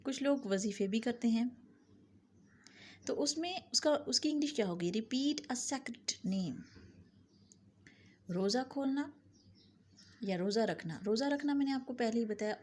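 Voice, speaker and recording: A woman teaching English vocabulary, saying each word pair twice and the English words slowly. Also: a little high, animated, darkish tone. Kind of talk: vocabulary lesson.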